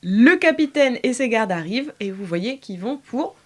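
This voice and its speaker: A woman's voice: fairly high pitch, lively intonation, moderate pace. A woman narrating an improvised tabletop game as game master, chatty and hesitant, full of fillers.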